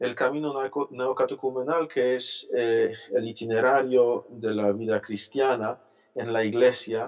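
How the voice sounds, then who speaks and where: A man speaks with a Polish accent. His pace is fairly slow. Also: medium pitch for a man, fairly even intonation. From Poland, Warsaw. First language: Polish (speaking Spanish). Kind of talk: interview. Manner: halting, many fillers.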